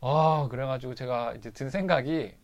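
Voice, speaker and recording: A man's voice: mid-range voice, moderate pace, highs cut off. A man candidly recounting a fight with his wife in a personal recovery diary monologue. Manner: candid, confessional storytelling.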